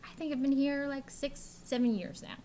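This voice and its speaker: A woman from the Philippines, chatting casually as an interview guest and telling stories in an animated way. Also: sits high, moderate pace, slight background noise. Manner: animated storytelling, acts out quotes.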